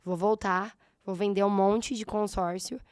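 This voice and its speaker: A slightly hoarse woman in her thirties with a Brazilian accent, telling her story in a casual interview and acting out her past thoughts. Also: medium pitch, fairly even intonation, unhurried, a little mellow, no room sound, studio quality. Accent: Brazilian Portuguese. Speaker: guest, entrepreneur.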